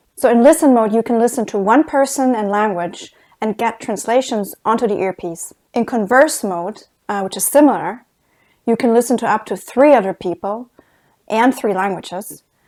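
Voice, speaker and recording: A woman with a German accent and a fairly high pitch speaks at a moderate pace in a very clean recording with a silent background. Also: ordinary pitch variation. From German-speaking country. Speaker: tech reviewer. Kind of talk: product review.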